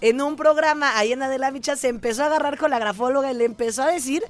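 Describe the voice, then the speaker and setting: A Mexican woman gossips playfully about celebrities in a high, lively voice, laughing as she goes. She sits close to the microphone in a dry, dead room. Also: fast talker, dry recording. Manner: laughs often, chatty, playful. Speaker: podcast co-host. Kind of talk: casual celebrity gossip chat.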